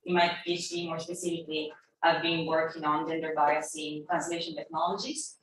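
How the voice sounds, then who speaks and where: A woman's voice: low voice, little pitch movement, a little fast, a bit bright. A young adult woman who is a native Italian speaker, introducing herself on a panel in a thoughtful, hesitant way with fillers. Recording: echoey distant room mic, faint noise.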